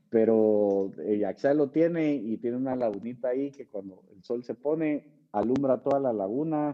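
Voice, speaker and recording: This man has a Guatemalan accent. He speaks at a moderate pace. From Guatemala, Petén. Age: 30s. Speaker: hotel manager and triathlete. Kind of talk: casual interview. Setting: remote call.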